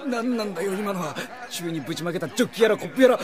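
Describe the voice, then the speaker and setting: A man playing a rowdy, excitable tavern customer with rough slang in an anime-style radio drama. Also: sits high, very fast. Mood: amazed. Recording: noisy tavern crowd behind.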